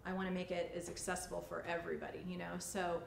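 A woman's voice: fairly low pitch, flat delivery, quick pace, vocal fry. A woman in her forties, a salon owner, talking casually and chattily as she teaches during a demonstration. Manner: chatty, informal. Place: indoor white-backdrop studio. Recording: echoey studio room, faint ambient noise.

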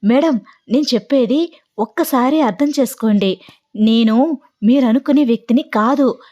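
A man's voice: very high voice, moderate pace, a little mellow. A woman voicing a flustered young man on the phone, politely insisting it is a wrong number. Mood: exasperated. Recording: dull lo-fi audio.

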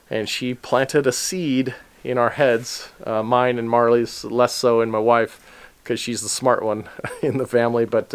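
Man, 40s, homestead vlogger. Easygoing, chatty walkthrough with fillers and light laughs, recorded outdoors in an open shelter. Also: medium pitch. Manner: relaxed and chatty, lots of ums and little laughs, pointing things out. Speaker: homesteading channel host. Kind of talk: casual walkthrough vlog. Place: outdoors in an open-sided metal livestock shelter.

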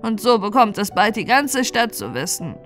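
A woman's voice: mid-range voice, very animated, normal speed, lightly acted. Bossy old moor witch played by a female storyteller, chatty and insistent, fairy-tale audiobook with music underneath. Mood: urgent, chattering.

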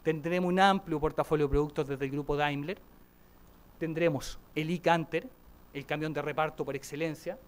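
A man giving a conference presentation at a podium, listing vehicles in a brisk way. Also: fairly high pitch, fairly even intonation, smooth. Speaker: conference speaker, vehicle company.

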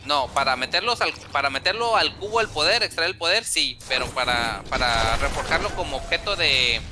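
A man's voice: a little high, animated, music in the background. Chatty man streaming a game. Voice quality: trailing restarts, drawn-out fillers. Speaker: gamer streaming gameplay. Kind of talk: casual gameplay chat.

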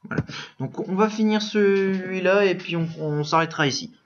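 A man's voice: high-pitched, moderate pace, highs cut off, a little hiss or hum. A man giving casual let's play commentary, breaking into exclamations and frustrated outbursts at a lagging game.

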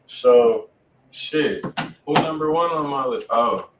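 A man's voice: mid-range voice, slow. An American man co-hosting a music stream with casual, slangy banter from a home studio. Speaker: co-host of music review stream. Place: home studio room, indoors. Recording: echoey, distant, slightly noisy room.

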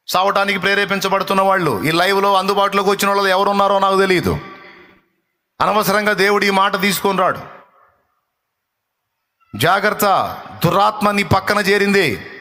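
Male preacher, high tense voice, impassioned repetition, fervent live sermon. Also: sharp tone. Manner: impassioned, repeats phrases, rebukes. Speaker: pastor.

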